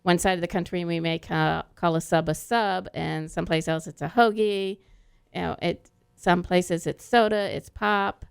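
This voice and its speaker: A woman's voice: on the low side, steady tone, normal speed, creaky, clear, resonant tone. A woman hosting a radio interview, chatty as she leads the conversation with her guests. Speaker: radio host.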